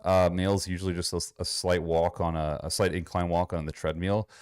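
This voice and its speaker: A man's voice: sits low, flat delivery, brisk, clean tone, dry recording, studio quality. A man with a Minnesotan accent, a fitness coach giving blunt, sarcastic reaction commentary and swearing freely.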